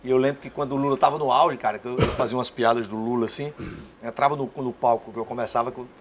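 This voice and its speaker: Man, comedian, rapid chatty talk, mid pitch, faint hiss behind. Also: fairly even intonation. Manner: quick, chatty, laughs at his own jokes. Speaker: comedian, guest. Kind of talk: talk show conversation.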